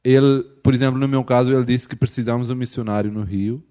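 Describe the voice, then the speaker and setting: A man's voice: medium pitch, steady tone, fast talker, warm tone, smooth. Hesitant man with a Portuguese accent. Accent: European Portuguese. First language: not Portuguese. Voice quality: hesitant, with frequent restarts and filler checks. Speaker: missionary guest. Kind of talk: casual interview chat.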